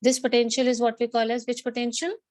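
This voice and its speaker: With a South Asian accent, this female biology teacher runs an interactive online class where she poses questions, repeats points and alternates between two languages. Her fairly high voice is fast, flat in delivery and a little mellow, and the sound has no echo.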